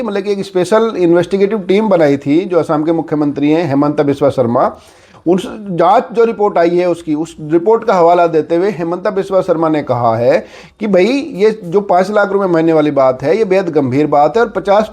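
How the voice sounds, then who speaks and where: High-pitched man delivering political commentary. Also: a little mellow. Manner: conversational explainer with repeated filler phrases. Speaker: news commentator. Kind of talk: informal political news commentary.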